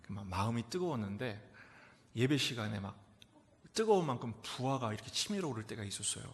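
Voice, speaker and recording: A middle-aged male pastor preaching a sermon in a church, asking rhetorical questions and answering them, swinging from loud exclamations to near whispers. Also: mid-range voice. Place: church sanctuary. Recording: echoey church hall reverb.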